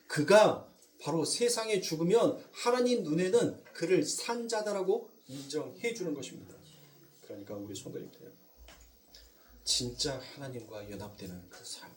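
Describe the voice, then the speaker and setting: A man's voice: high voice, darkish tone, distant mic. A male pastor preaching a sermon, putting questions to the congregation and answering them himself with rising emphasis. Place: church sanctuary.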